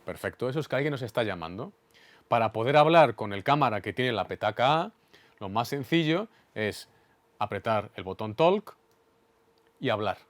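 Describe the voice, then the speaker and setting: A man with a Spain Spanish accent giving an instructional equipment demonstration in a clear, methodical, didactic way. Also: medium pitch, animated, moderate pace, slight background noise. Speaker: instructor explaining studio equipment.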